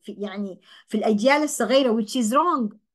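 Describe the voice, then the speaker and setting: A woman is speaking. The background is quiet. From Sudan. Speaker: bank manager and customer service trainer; customer service trainer. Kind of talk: lecture. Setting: video call. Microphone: webcam.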